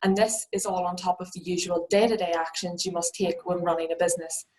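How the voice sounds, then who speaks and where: Talking at a fairly quick pace, a woman with a fairly low voice speaks in a Northern Irish accent. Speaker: business development manager. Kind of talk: rehearsed sales pitch. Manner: fast; energetic.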